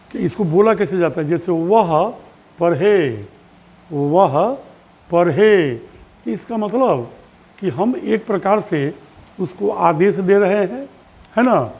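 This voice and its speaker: High-voiced patient male teacher. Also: expressive, a little mellow, breathy edge. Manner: patient, repeats drill forms aloud slowly; asks questions of pupils. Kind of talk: online classroom lesson.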